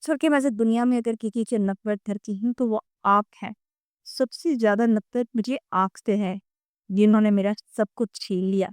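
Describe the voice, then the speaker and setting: A woman reading the part of a proud young wife who speaks in a flat, composed way. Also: medium pitch, smooth, no room sound, studio quality, lightly acted. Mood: cold.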